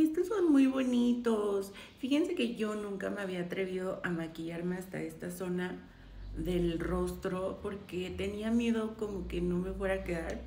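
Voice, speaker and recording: A woman's voice: medium pitch, creaky, darkish tone. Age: adult. Sex: woman. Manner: effusive, exclamatory. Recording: roomy echo, faint room noise. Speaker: beauty vlogger. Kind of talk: casual makeup try-on chat.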